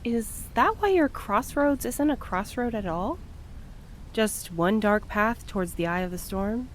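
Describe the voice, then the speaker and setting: A woman's voice: medium pitch, expressive, a little slow, slight background noise, natural voice. A woman playing an earnest, firm young courier who speaks directly and insistently in an audio drama. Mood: uneasy. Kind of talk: naturalistic audio drama acting.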